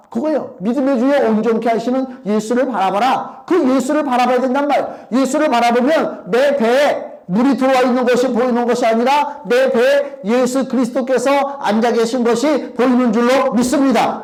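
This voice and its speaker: A man's voice: very high voice, darkish tone. A male pastor preaching a sermon in an emphatic, conversational way, asking the congregation questions and acting out quotes.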